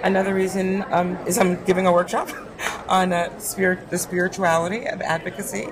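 A woman attending a conference who leads a workshop, answering in a halting, unscripted way. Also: lowish voice, little pitch movement, noisy background. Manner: halting, with fillers and restarts. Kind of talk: casual interview answer. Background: crowd chatter.

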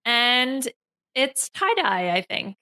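Bright giggly woman leading the chat. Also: a little high, big pitch swings, slow. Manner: giggly, hedging, leads the segment. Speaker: podcast co-host. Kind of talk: casual chat reviewing a TV show.

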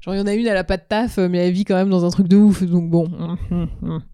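A woman co-hosting a couple's show in casual chat, teasing and quick to laugh. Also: lowish voice, steady tone, dark tone, smooth, no room sound, studio quality.

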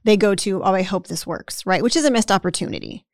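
Chatty woman podcast host with gravelly fry. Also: medium pitch, lively intonation, fast talker, no room sound, clean studio sound. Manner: chatty, tags sentences with "right?", acts out imagined self-talk. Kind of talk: casual conversational podcast chat.

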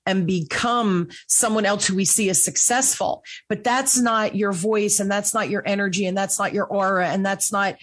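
Jersey lady in her late 50s hosting a podcast, husky voice, goofy and chatty. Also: medium pitch, normal speed, hardly any pauses. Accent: New Jersey. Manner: animated storyteller, goofy humor. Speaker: podcast host. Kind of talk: casual interview chat.

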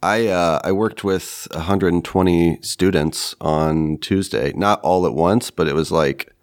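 A man co-hosting a podcast in casual chat, with a raspy, wheezy smoker's rasp from a night of heavy smoking and a rambling, halting way of explaining. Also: low voice, a little mellow. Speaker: podcast co-host.

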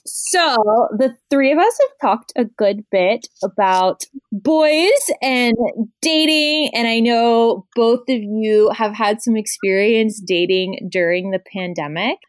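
A woman hosting a casual radio talk show, upbeat and quick, laughing often with her guests. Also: fairly high pitch, dry recording. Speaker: host.

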